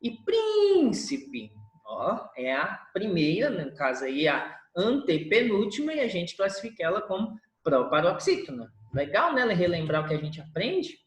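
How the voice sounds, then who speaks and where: A woman teacher gives a recorded review lesson. Her voice rises and falls a great deal, and she holds stressed syllables long to show how the words are stressed. The recording has a clear echo from the room. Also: on the low side, sing-song, normal speed, hardly any pauses. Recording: echoey room.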